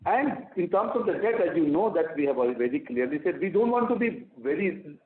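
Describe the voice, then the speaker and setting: High-pitched Indian man on an echoey phone line. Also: expressive, a little fast, slight background noise. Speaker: company executive on an earnings call. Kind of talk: explanatory business talk on an investor call. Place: conference phone call. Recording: tinny phone line with room echo.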